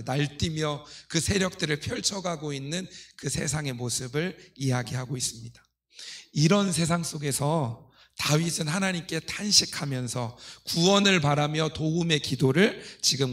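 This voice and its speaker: A middle-aged man delivers a sermon from a church pulpit in a somewhat high voice. He teaches step by step, explaining scripture to his congregation as their pastor. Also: moderate pace, a bit bright. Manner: didactic, asking rhetorical questions and leading readings.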